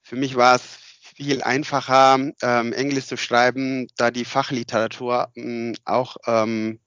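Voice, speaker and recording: A man's voice: mid-range voice, flat delivery, a little slow, a bit bright, no room sound, highs cut off. A man with a Turkish accent, a guest on a podcast, speaking non-native German hesitantly with many filler sounds and restarts. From Turkey. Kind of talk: casual interview.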